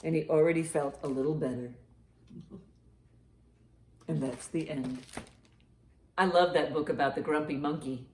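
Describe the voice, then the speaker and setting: A woman's voice: low voice, fairly even intonation, moderate pace, long pauses, darkish tone, echoey room. A woman presenting storytime for young children, reading and explaining expressively and speaking to them directly. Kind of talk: picture-book storytelling and instruction for young children.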